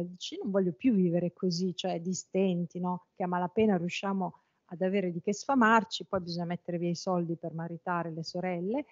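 A woman's voice: on the low side, dry recording, dull audio. A woman from Italy giving an adult education lecture in a thoughtful, hesitant way.

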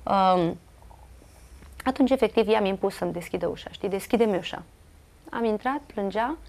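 A woman's voice: mid-range voice, gravelly, a little mellow. Earnest Romanian woman telling a family story. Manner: earnest, quotes dialogue, many fillers. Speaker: interview guest. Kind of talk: emotional personal storytelling.

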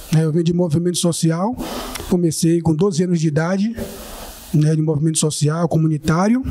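A man in his forties with a Bahian accent speaks on an indoor panel, seated among other guests. His voice sits high, yet the tone is soft and mellow. He talks earnestly and informally, often tagging his sentences with a questioning aside. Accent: Bahian Portuguese. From Bahia, Brazil. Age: 40s. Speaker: panelist, social assistance coordinator. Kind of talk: panel talk, personal account.

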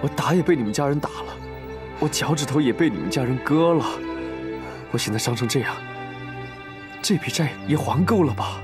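A proud, stubborn young man, played by an actor in a period TV drama, cold and firm in his refusals. His lively voice sounds set back from the mic under loud music. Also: medium pitch, fairly quick, long pauses, far from the mic, lightly acted. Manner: cold and firm, groaning in pain.

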